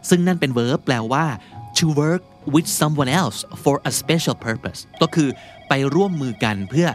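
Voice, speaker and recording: A young man hosting a casual podcast lesson, chatty and patient, reading out English example sentences slowly. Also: on the high side, soft background music. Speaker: podcast host teaching English vocabulary.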